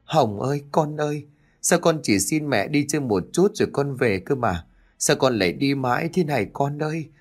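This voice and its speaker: A man voicing a gentle, frail elderly mother who wails in grief. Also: medium pitch, expressive, fairly quick, lightly acted. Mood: wailing.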